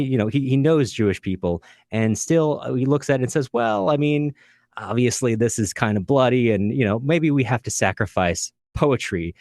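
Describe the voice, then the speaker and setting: A man's voice: mid-range voice, darkish tone, no room sound, studio quality. A man speaking as a podcast co-host in an unscripted literary discussion, earnest and discursive, often correcting himself as he goes.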